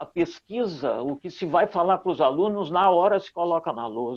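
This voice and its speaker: A high-pitched male voice with lively intonation. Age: 70s. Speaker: law professor. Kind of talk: casual discussion.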